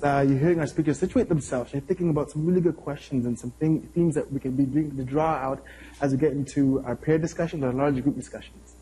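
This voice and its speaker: A man moderating a university panel, briskly thanking one speaker and handing over to the next. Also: on the high side, fairly even intonation, warm tone, a little hiss or hum, rough recording.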